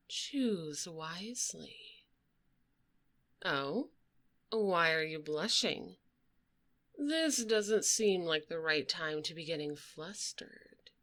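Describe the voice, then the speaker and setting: A woman playing a sassy, menacing female dragon debt collector for the mob in a close, soft-spoken ASMR roleplay, with a cool, taunting, condescending delivery. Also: fairly low pitch. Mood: teasing. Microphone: close binaural microphone.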